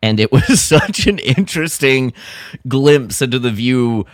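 A man's voice: medium pitch, lively intonation, measured pace, no echo, studio quality. A man co-hosting a podcast, telling anecdotes in a casual, wry, amused way. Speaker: podcast co-host.

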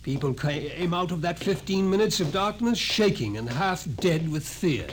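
Grave, ominous doctor with animated delivery. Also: male voice, high-pitched, moderate pace. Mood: intense, knowing. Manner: emphatic, lecturing. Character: grave, ominous male doctor foretelling doom, insistent. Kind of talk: 1950s radio drama acting. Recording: noisy old 1950s radio recording.

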